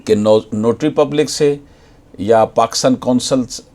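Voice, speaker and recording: A man with a Pakistani accent giving a legal lecture as an advocate, deliberately reading out passages and then explaining them. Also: mid-range voice, warm tone. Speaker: advocate explaining case law.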